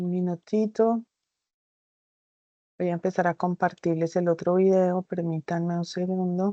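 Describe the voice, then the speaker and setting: The voice has a dark, mellow tone and flat, monotone intonation, broken by long, frequent pauses, in a dry, close recording with no echo and a quiet background. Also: woman, fairly low pitch for a woman. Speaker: instructor. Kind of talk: online class. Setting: video call.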